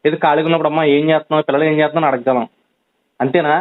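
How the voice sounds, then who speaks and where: Man, high voice, very rapid, insistent pleading, tinny phone line. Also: fairly even intonation. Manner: pleading, insistent, rapid reasoning with many restarts. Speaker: friend on a phone call. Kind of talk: urgent pleading phone conversation.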